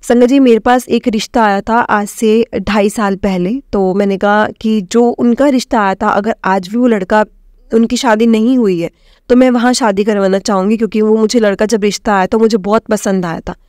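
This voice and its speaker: A young woman from Himachal Pradesh telling her personal testimony to a congregation, addressing them warmly and mixing in English words. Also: medium pitch, steady tone, moderate pace, dry recording, studio quality. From Himachal Pradesh, India. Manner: addresses listeners as "sangat ji", mixes in English words. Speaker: devotee sharing a testimony.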